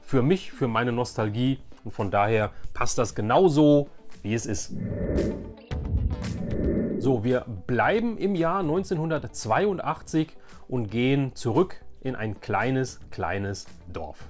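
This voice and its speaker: A man's voice: mid-range voice, animated, slow. Chatty man in his forties, faint music. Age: 40s. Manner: chatty, repeats words for emphasis. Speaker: YouTube host. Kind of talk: casual nostalgic show-and-tell.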